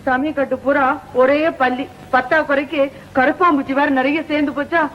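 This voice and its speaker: A woman's voice: high voice, steady tone, normal speed, close to an everyday voice. An actress playing a timid, easily frightened young village woman in an old film, pleading in a childlike way. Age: young adult. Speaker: daughter. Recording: dull old film soundtrack.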